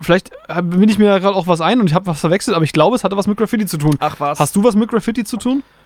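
Very fast speech from a man with a high-pitched voice. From Berlin. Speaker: podcast host. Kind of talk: casual interview.

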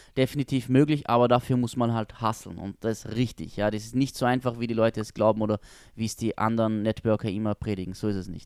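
A man talks at a very fast pace and medium pitch with fairly even intonation. The sound is dry and close with no echo, on a very clean recording with a silent background. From Austria. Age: 20s. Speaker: entrepreneur. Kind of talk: casual chat. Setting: Airbnb apartment in Berlin.

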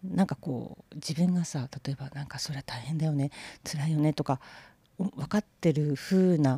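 Recorded very cleanly against a silent background, with a dry, close sound and no echo, a woman speaks at a very deep, low pitch in a dark, mellow tone, somewhat breathy, with ordinary pitch variation. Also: moderate pace. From Japan, Toyama Prefecture. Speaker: podcast host. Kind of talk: casual chat.

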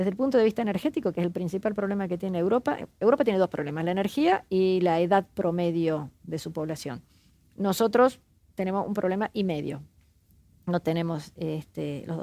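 A woman with a Cordoban Argentine accent, medium in pitch, dark and mellow in tone, with lively intonation at a fairly quick pace. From Argentina, Córdoba. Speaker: economist. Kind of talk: interview.

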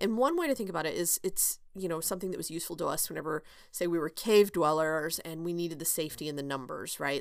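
Fairly quick and with a Southern US accent, a woman speaks in a warm tone at a fairly low pitch with ordinary variation. The recording is very clean, with a silent background. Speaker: OB/GYN physician and coach. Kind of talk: solo podcast monologue, conversational teaching. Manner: conversational, warm, filler-heavy.

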